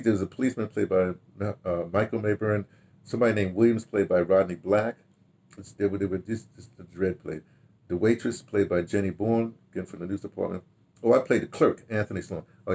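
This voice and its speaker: Low-voiced older American man, rambling recollections. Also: darkish tone, breathy edge. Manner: rambling, halting delivery, repeating words, checking notes aloud. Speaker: radio drama producer recalling past productions. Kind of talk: casual reminiscing to camera. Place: small book-lined room at home, indoors.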